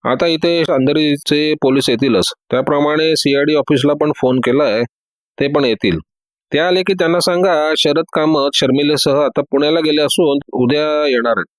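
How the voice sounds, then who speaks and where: A man's voice: fairly high pitch, normal speed, dry recording, close to an everyday voice. A man voicing a confident, witty male detective who teases everyone in a breezy way. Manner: teasing, breezy.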